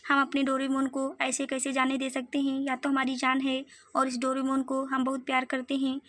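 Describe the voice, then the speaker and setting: A woman's voice: high voice, completely flat delivery, normal speed, a bit bright. A woman voicing a joking, caring young male friend in a read-aloud audio story.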